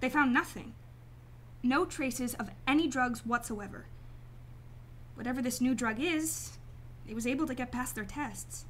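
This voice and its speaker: A woman playing a guarded, emotionally detached client in a radio drama, speaking formally and deliberately. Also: high-pitched, a bit bright, a little hiss or hum. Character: cool, detached female client, guarded murder victim's sister.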